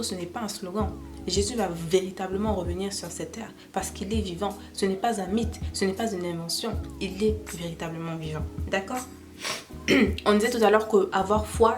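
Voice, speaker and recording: Young woman vlogger with a head cold, earnest and conversational, music bed under her voice. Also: mid-range voice. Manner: earnest, repeats "d'accord?" to check in. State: has a cold, stuffy. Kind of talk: casual faith talk to camera. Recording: clear music in the background.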